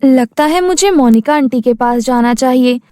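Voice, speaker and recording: Woman as young orphan girl, high-pitched, meek, polite, cartoon story. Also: moderate pace, warm tone, no room sound, lightly acted. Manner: polite, submissive.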